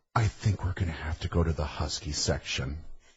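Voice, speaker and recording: A man whispers in a put-on character voice, breathy and at a fairly quick pace. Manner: loud stage whisper, breathy but carrying.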